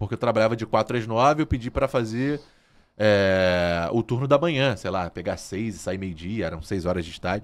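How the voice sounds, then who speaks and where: A man with a fairly low pitch talks at a moderate pace with lively intonation. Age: 20s. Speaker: sports radio narrator and presenter; podcast guest, sports narrator. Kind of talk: casual podcast interview. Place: studio. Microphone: studio mic.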